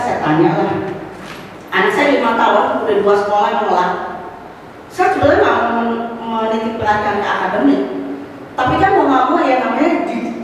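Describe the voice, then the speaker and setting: Middle-aged woman telling her testimony, animated, a bit high, sounds far off in a big echoey hall. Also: slight background noise. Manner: animated storytelling, rising to exclamations; mixes in casual slang and english words. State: has a cough. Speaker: testimony speaker at a church fellowship. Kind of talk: personal testimony. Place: church hall.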